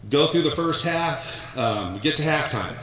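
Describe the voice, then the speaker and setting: A man's voice: on the high side, expressive, unhurried, a bit bright. A middle-aged man giving a hall of fame acceptance speech, telling stories with many restarts and repeated words. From United States. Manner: rambling storyteller with many restarts. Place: large hall. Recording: echoey hall.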